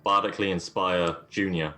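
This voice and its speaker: A man's voice: deep voice, steady tone, normal speed, sharp tone, faint music behind. A man playing a tabletop game, talking casually and hesitantly with lots of fillers. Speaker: player.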